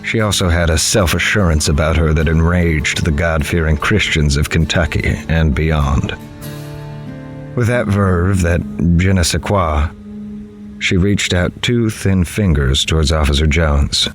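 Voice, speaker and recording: An actor playing a grave, observant newspaper reporter, narrating a horror audio drama in the first person in a measured, literary way. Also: male voice, extremely low pitch. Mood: somber. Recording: music behind the voice.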